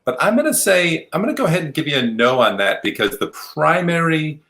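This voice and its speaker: A man works as a game show host with a bright, forward voice. His pitch moves around a lot as he hands out turns, counts strikes and explains his rulings. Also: sing-song, a little fast.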